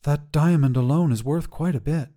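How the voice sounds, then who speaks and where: Guy doing lady jeweler in a story podcast, soft mellow voice, kind n earnest. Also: fairly high pitch, normal speed, pitched above the performer's own voice, natural voice. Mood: gentle, earnest. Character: gentle, earnest female jeweler with intuitive gift. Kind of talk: audio short-story dialogue.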